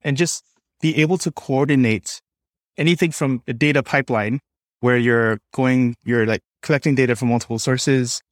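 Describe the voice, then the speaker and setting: A man's voice: mid-range voice, moderate pace, no room sound, clean studio sound. A man from Singapore speaking as a podcast guest, explaining tech in a conversational interview style. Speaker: podcast guest, developer experience lead.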